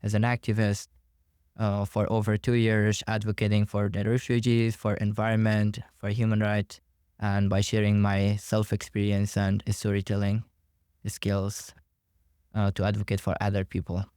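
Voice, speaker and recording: A man's voice: fairly low pitch, monotone, moderate pace, a little mellow, clean tone, no echo, studio quality. A young man from Afghanistan, a student activist, introducing himself earnestly and formally. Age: young adult. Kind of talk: interview self-introduction.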